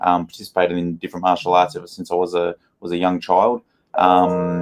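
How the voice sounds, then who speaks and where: Over music in the background, a man with an Australian accent talks at a fairly quick pace in a very deep, low pitch with ordinary pitch variation. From Australia, outside Melbourne. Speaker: sports nutrition scientist. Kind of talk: podcast interview. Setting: in-person studio.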